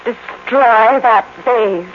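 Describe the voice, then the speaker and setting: An actress playing a possessive, unstable housewife with an intense, deliberate, commanding delivery in a 1950s radio drama. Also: female voice, a little high. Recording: dull noisy old radio recording.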